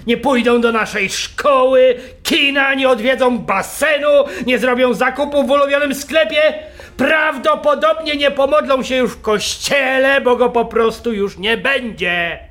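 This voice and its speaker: An actor playing a bitter drunk man who shouts and rants at his family in a radio play. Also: extremely high pitch, exaggerated voice. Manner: shouting, ranting, accusing. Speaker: radio drama character.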